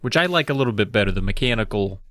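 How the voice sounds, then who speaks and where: A man's voice: fairly low pitch, lively intonation, rapid-fire, a bit bright, no echo. A man co-hosting a podcast, chatting casually in a musing, hesitant way with dry humor. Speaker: podcast co-host. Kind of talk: casual chat, critiquing book covers.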